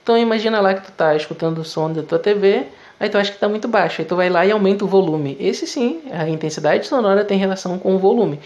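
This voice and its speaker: A man's voice: high-pitched, fast talker, few pauses, a little mellow, muffled recording. A man teaching physics in a video lesson, explaining step by step in a conversational way with frequent tag questions.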